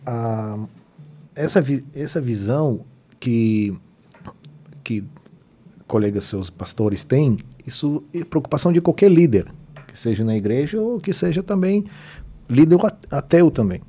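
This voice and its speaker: A man's voice: mid-range voice, expressive, a little slow, pauses often, dark tone, breathy edge. A man with an Israeli accent, a podcast guest explaining his view in casual conversation and checking in with listeners. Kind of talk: casual chat.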